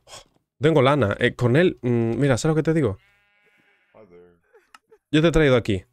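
A man casually commenting on his gameplay, teasing and chatting with the game's characters in a low murmur. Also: normal speed, a little mellow, dry recording. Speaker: gaming streamer.

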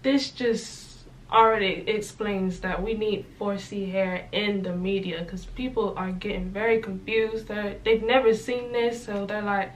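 A woman's voice: medium pitch, steady tone, measured pace, hardly any pauses, a little hiss or hum, rough recording. A young woman vlogging in casual chat, emphatic and opinionated, in a small indoor room. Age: young adult.

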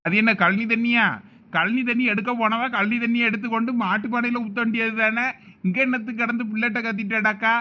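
A man's voice: extremely high pitch, steady tone, quick pace, sharp tone. A doting village father. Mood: indulgent. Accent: Thoothukudi Tamil. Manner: soothing, indulgent toward his daughter. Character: doting village father who spoils his daughter. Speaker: father in a family comedy skit.

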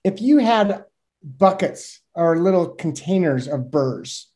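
Man, 30s, mellow warm tone, animated explainer, webcam audio. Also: fairly high pitch, slow pace. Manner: animated, gestures with hands, uses homely examples. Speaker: guest expert. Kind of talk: explaining to a host in a video call interview. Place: small room indoors. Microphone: webcam on a video call.

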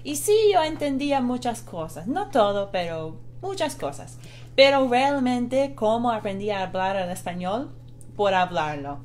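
A woman's voice: fairly high pitch, lively intonation, a little slow, a little mellow, a little hiss or hum. Woman speaking Spanish as a learner. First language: not Spanish. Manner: earnest, learner's foreign accent. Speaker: Spanish teacher and co-host. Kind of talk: live-streamed language lesson chat.

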